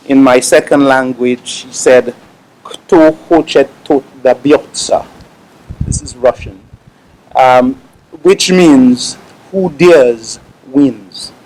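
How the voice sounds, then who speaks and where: Man, formal opening-ceremony speech, slow delivery, halting with fillers. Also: mid-range voice, a little mellow, low-quality recording. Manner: measured, with many pauses and fillers.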